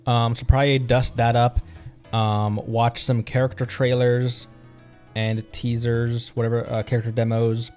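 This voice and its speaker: A man's voice: medium pitch, level tone, unhurried, darkish tone. Casual male game streamer, music behind. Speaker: streamer and channel host. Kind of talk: casual gaming livestream chat.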